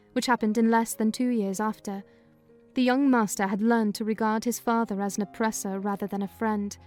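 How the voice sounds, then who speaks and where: A woman giving a dramatized first-person reading of a classic novel in measured, clear storytelling. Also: medium pitch, darkish tone. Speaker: reader of a novel.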